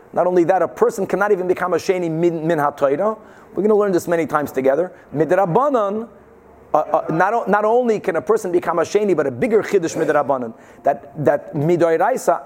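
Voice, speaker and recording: A man's voice: high-pitched, quick pace, darkish tone. A man giving an informal religious lecture as a teacher, emphatic and explanatory, mixing in Hebrew and Yiddish terms. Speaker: Talmud teacher.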